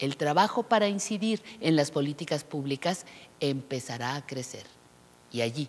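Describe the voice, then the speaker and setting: A woman with a very deep, low voice speaks at a fairly slow pace with lively intonation over light background noise. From Mexico. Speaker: journalist. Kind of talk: informative talk to camera. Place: studio.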